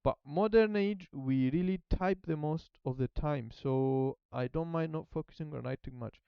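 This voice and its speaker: A man's voice: on the high side, moderate pace, creaky, clean tone, no echo, dull audio. A man who is not a native Japanese speaker, thinking aloud and repeating phrases as he works through them in a casual study vlog. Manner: hesitant, repeats phrases while translating. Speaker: language learner.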